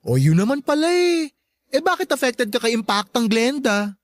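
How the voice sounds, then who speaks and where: An actor playing a sassy, campy gay best friend in a Tagalog radio drama, teasing and bluntly caring, drawing out emphatic words. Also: male voice, very high voice, sing-song, moderate pace, no room sound, studio quality. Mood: blunt, encouraging.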